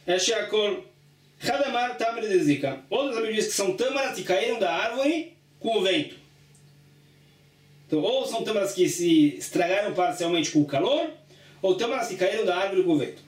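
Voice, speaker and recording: At normal speed and with lively intonation, this high-pitched Talmud teacher reads a passage aloud and then plainly explains it, often going over things again. A distant microphone captures him in an echoey room.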